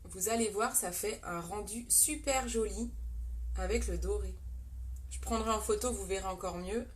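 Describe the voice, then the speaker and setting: A woman's voice: medium pitch, moderate pace, slight background noise. A young French woman with a French accent, chatting with viewers as she hosts a live makeup tutorial. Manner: chatty, talks to viewers and reads comments. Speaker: makeup livestream host.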